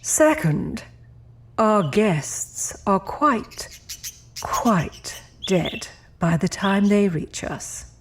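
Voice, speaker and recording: An actress playing a serene otherworldly architect in an audio drama, politely cold, formal and measured. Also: female voice, mid-range voice, lively intonation. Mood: cool, composed.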